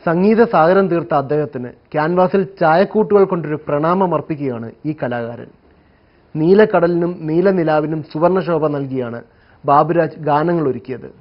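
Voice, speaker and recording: A man narrating a scripted magazine feature for a programme. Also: moderate pace. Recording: muffled, low-fidelity broadcast audio.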